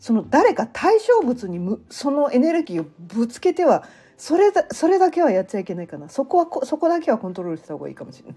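Very fast, animated speech with hardly any pauses, very wide pitch swings and big swings in loudness over noticeable background noise. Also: woman, high pitch for a woman. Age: 50s. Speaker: astrology coach and podcaster. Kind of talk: casual solo talk. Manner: animated, laughing often.

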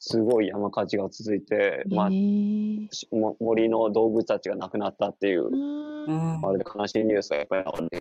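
A man at a moderate pace, with hardly any pauses. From Kyushu, Japan. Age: 30s. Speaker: former pro footballer, YouTuber. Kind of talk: casual chat.

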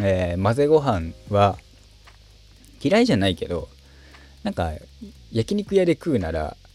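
Music plays in the background as a man speaks at a fairly slow pace in a relaxed tone. He leaves long, frequent pauses. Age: 20s. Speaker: podcaster. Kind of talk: casual monologue. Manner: relaxed, chatty.

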